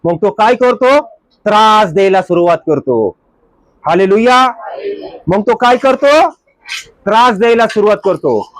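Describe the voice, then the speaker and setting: High-voiced fervent male preacher. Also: expressive, unhurried, pauses often, no echo. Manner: fervent, asks rhetorical questions, repeats phrases; punctuates with hallelujah. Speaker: pastor. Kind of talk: sermon.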